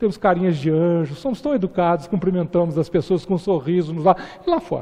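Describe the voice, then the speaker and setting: Dark and mellow describes this man's tone. He speaks at a moderate pace. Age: 60s. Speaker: spiritist lecturer, retired professor. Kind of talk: religious lecture. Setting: spiritist center with audience.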